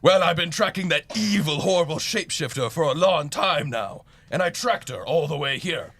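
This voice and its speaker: A man's voice: on the high side, lively intonation, moderate pace, fairly bright tone, dry recording. A man playing a theatrical but bumbling, awkward monster hunter in a comic radio play. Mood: sheepish, casual. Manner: bombastic entrance, sheepish casual talk. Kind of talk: comedic audio drama acting.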